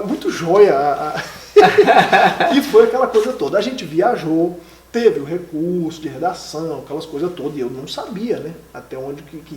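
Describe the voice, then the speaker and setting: A high-pitched man tells a lively, emotional personal story as an interview guest, full of fillers and restarts. He sits some way from the microphone in an echoey room with a faint hiss. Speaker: interview guest, exam candidate. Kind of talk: casual storytelling. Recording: echoey room, mic from a distance.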